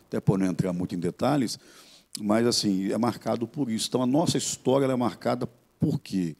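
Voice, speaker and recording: Husky, low-voiced Brazilian pastor. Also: male voice, darkish tone. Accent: Brazilian Portuguese. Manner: earnest, measured preaching tone. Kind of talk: gospel TV interview testimony.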